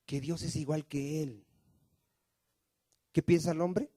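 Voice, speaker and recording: Male pastor, slightly high and warm, preaching in a dry close sound, quizzing his congregation. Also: fairly even intonation, slow, dry recording. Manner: fires rhetorical questions at the congregation, call and response. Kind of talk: sermon. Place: church.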